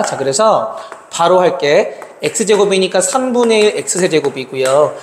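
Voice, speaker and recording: A male math tutor working through exam problems step by step, talking calculations aloud and checking in with his students. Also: a little high. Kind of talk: exam problem walkthrough lecture. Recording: roomy reverb, faint noise.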